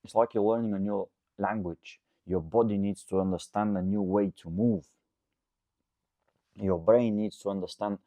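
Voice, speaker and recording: This deep, gravelly, mellow male voice carries a Bulgarian accent and comes through a dry recording with the highs cut off. The man, a coach and host from Bulgaria, fields audience questions in loose, off-the-cuff talk to camera, tending to ramble and repeatedly asking "okay?".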